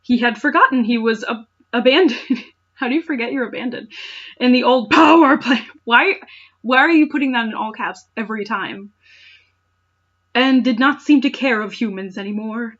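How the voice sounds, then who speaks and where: A woman's voice: on the high side, normal speed, a bit bright, dull audio. A woman reading fan fiction aloud with sarcastic, incredulous asides and exaggerated dramatic narration.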